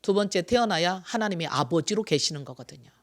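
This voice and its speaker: A pastor in their sixties preaches a Sunday sermon, putting question after question to the congregation. Key phrases come back again and again, first pushed out loud, then let fall into a soft aside. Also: medium pitch, animated, brisk. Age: 60s.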